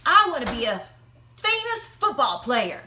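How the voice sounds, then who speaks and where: A woman voicing an eager young boy from a children's storybook, calling out with excitement. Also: high-pitched, measured pace, a little hiss or hum, heavily acted. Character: eager boy dreaming of football fame, storybook.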